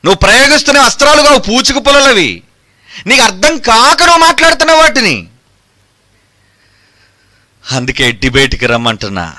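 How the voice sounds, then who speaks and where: A man's voice: extremely high pitch, sing-song, fairly quick, pauses often, pushed and bright. A man preaching a fiery sermon, combative and mocking, firing rhetorical questions.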